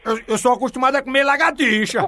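Homem nordestino passando trote, voz aguda e brilhante, provocador. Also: male voice, extremely high pitch, fast, pushed and bright, no room sound. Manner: teasing, laughing, provoking. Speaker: prank caller host. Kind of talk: prank call.

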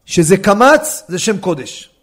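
A man, a rabbi, giving an animated lecture on Jewish law and firing rhetorical questions at his listeners. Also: high voice. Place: study hall class.

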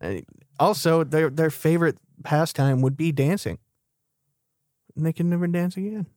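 A man's voice: a little high, moderate pace, a little mellow, no room sound, clean studio sound. A man co-hosting a podcast, chiming in with casual, sarcastic, comedic remarks. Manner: sarcastic, wry interjections. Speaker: podcast co-host. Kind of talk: casual comedic banter and reactions.

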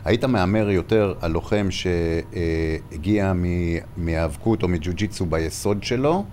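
Low-voiced male podcast host. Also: a little mellow, slight background noise. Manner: conversational, probing questions with fillers. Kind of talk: casual interview talk.

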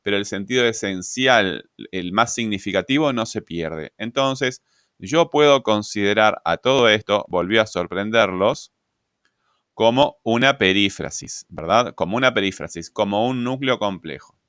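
Low-voiced man teaching grammar. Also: lively intonation, a little slow, a bit bright, clean tone, no room sound, studio quality. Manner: explanatory, asks rhetorical questions, frequent "¿verdad?" and "este" fillers. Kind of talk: recorded grammar lecture.

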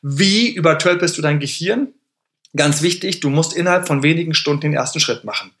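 A man's voice: fairly high pitch, brisk. A man hosting a casual livestream, talking motivation and acting out the voices in his head as he thanks viewers. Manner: animated, thanks viewers for gifts mid-sentence; acts out inner voices in quoted asides. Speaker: livestream host.

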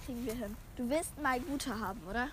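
A young woman in animated, casual chat with a friend during a game, laughing and quick to get excited. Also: a little high, background noise. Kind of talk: casual chat while playing a drawing game.

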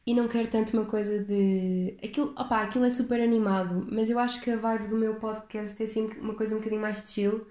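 A woman's voice: mid-range voice, flat delivery, quick pace, few pauses, warm tone, reverberant. A young woman with a European Portuguese accent hosting a casual solo podcast, rambling and reflective as she chats. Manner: rambling, reflective, chatty with restarts. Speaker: podcast host.

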